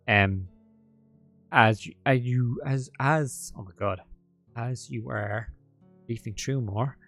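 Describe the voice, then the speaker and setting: A man narrating as game master, talking in a halting way full of fillers and restarts. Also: medium pitch, a bit bright, soft background music.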